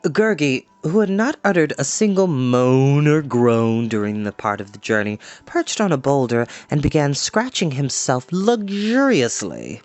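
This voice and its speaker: A man's voice: mid-range voice, very animated, unhurried, hardly any pauses, darkish tone, no room sound, soft background music. A man reading a story aloud expressively, with informal, chatty asides to listeners. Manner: informal, explains words to listeners.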